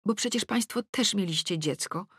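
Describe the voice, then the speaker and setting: Kobieta grająca słodko uprzejmą młodszą rywalkę. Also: female voice, mid-range voice, animated, normal speed, fairly bright tone, husky, no echo, studio quality, pitched above the performer's own voice. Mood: sweetly polite. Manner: polite, apologetic, formal. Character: sweetly polite younger woman, rival new wife.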